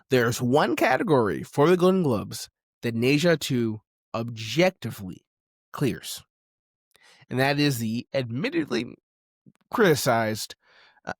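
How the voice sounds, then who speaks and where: Male video essayist, mid-pitched, emphatic and opinionated, dramatic pauses, dry close recording. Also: dry recording.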